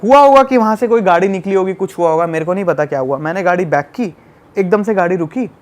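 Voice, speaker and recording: A young man from Delhi telling a travel story in a casual podcast chat, animated and acting out the scenes. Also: high-pitched, quick pace. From Delhi, India. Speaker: travel YouTuber guest.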